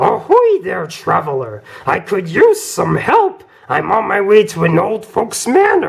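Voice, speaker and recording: Someone uses a put-on character voice at a fairly slow pace. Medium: read story.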